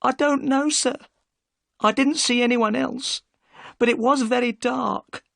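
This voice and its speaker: A man voicing an upset middle-aged boatman's wife in a high, shaky, pleading voice while reading a storybook aloud. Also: steady tone, a little slow, vocal fry, fairly bright tone, no echo, exaggerated voice. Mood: worried.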